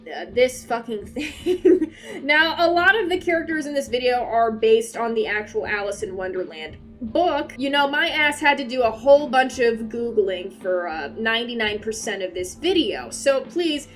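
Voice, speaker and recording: A woman's voice: a little high, lively intonation, normal speed. A woman giving casual video commentary in an irreverent, sweary, self-deprecating and jokey manner. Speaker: YouTuber host. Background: background music.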